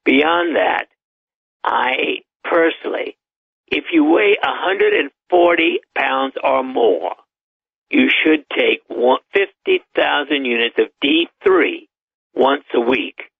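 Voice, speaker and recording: Gravelly old man on a phone line. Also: fairly high pitch, very animated, slow pace, dry recording. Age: 80s. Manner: matter-of-fact, advisory, with chuckles. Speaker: doctor guest. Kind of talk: radio call-in interview.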